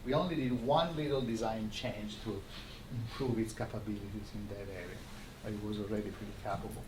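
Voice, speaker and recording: A man's voice: lowish voice, steady tone. Man lecturing in an echoey room, far off. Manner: halting, explanatory delivery with repeated words. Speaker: visiting scientist giving a colloquium lecture. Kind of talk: academic lecture with slides. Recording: roomy, noisy lecture recording from far off.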